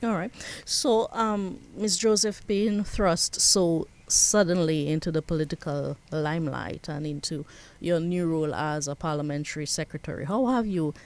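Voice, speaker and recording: An interviewer who asks questions in a measured, formal way. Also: mid-range voice.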